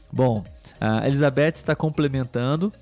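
A man's voice: medium pitch, slow pace, a little mellow. A man hosting a live stream for Portuguese learners, reading viewer comments in a patient, teacherly way with many filler tags. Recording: faint music in the background.

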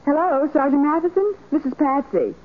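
An actress playing a brisk, sensible detective's assistant, straightforward in 1940s radio style. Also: female voice, sits high, lively intonation. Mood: businesslike. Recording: noisy, tinny 1940s radio recording.

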